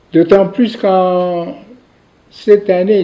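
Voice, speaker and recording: Very slowly, a man talks in a high pitch with a dark, mellow tone. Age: 80s+. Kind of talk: address to members. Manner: formal.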